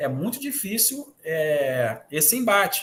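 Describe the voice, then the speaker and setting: Here a man speaks at a high pitch. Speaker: fire safety lecturer. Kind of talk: lecture.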